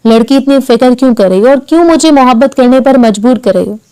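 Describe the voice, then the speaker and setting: Brief: soft-spoken young husband, tender and calm, read by a woman, smooth warm tone. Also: sits high, fast talker, close to an everyday voice. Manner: gentle, calm.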